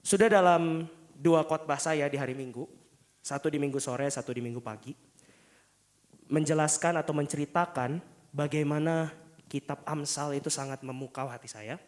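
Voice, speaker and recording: A man gives a conversational sermon from the pulpit. His voice sits fairly high for a man, and it comes through a face mask. He is a little unwell, with a sore throat. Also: moderate pace, pauses often. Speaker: pastor. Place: church pulpit.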